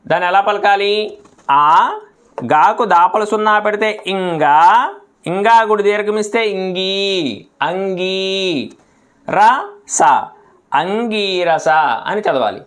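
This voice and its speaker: High-voiced man slowly spelling syllables. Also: a bit bright. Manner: patient, syllable by syllable, repeats words. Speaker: Telugu reading teacher. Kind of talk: slow spelling-out lesson.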